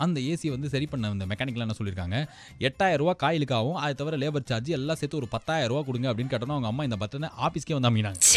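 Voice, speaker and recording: Music plays behind a man speaking. His pitch sits fairly high, and his intonation is lively. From Chennai, India. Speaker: radio jockey. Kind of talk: radio show monologue.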